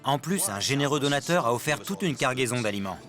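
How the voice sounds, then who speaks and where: A man's voice: mid-range voice, lively intonation, fast talker. A man dubbing a renovation show host, narrating in an upbeat, explanatory way. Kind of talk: dubbed reality-show narration. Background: background music.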